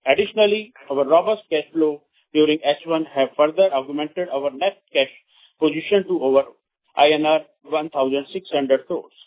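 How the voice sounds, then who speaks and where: A man's voice: fairly high pitch, normal speed. A man with an Indian accent formally reads prepared company remarks on a conference call, stumbling now and then. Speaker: company executive. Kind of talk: scripted earnings call presentation. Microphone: phone conference call. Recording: narrow, tinny phone conference line.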